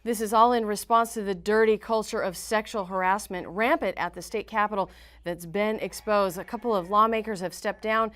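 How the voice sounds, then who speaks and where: A woman's voice: mid-range voice, steady tone, moderate pace, fairly bright tone. A woman with an American accent reading scripted news in a formal, emphatic newsreader delivery. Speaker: news reporter and anchor.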